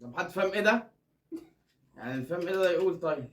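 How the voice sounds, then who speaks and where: A man's voice: high voice, expressive, rapid-fire, fairly bright tone, distant mic. A man with an Egyptian accent, casually teasing his family as they open toy boxes together. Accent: Egyptian Arabic. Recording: echoey room.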